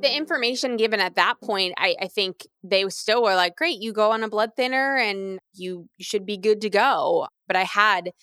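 A woman in her thirties, a retired athlete, telling her story candidly and earnestly, often restarting phrases and turning lively when she quotes others. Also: medium pitch, moderate pace, hardly any pauses, smooth, no echo, soft background music.

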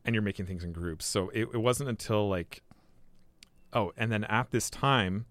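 A man's voice: lowish voice, normal speed, a bit bright, no room sound. A man in his forties, a filmmaker guest on a podcast, telling his story casually with lots of restarts and fillers. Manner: rambling, many restarts and fillers.

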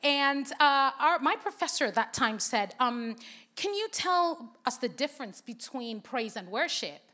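Bright chatty woman from Zambia. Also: sits high, lively intonation, a little slow. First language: not English. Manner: chatty, laughing, audience banter. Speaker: conference speaker. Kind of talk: sermon with casual asides. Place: large conference hall.

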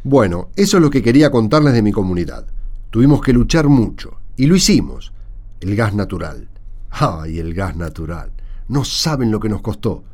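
An actor playing a proud, plain-spoken neighborhood leader in a radio play, speaking in an emphatic, assertive way. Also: male voice, lowish voice, big pitch swings, moderate pace, darkish tone. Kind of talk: Spanish-language radio theatre acting.

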